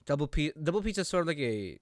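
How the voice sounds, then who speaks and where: A man hosting a casual video game chat, explaining things in an informal, halting way. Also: on the high side, big pitch swings. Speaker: podcast host.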